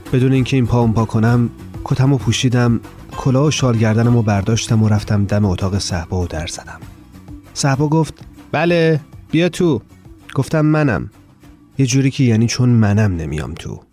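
A man's voice: lowish voice, dark tone. A man narrating a first-person story in an earnest, reflective way, reading the dialogue of the characters too.

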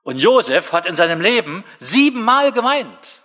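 A middle-aged man preaches with a bright, animated delivery and a fairly high voice. He jokes and turns straight to his listeners. His words ring out with the long reverb of a church hall. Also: moderate pace. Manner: lively, humorous, direct address to listeners. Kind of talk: sermon.

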